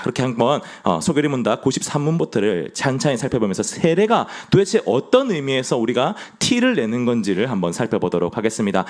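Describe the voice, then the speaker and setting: A young man with a Gyeongsang accent preaching a sermon, playful and joking with his congregation. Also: medium pitch. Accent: Gyeongsang Korean. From Gyeongsang region of Korea.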